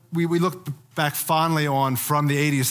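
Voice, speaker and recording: The pace is moderate, in an American accent. Pitch varies in an ordinary way. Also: man. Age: 40s. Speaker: church elder preaching. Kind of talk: sermon. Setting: church with congregation. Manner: hesitant, frequent fillers and repetitions.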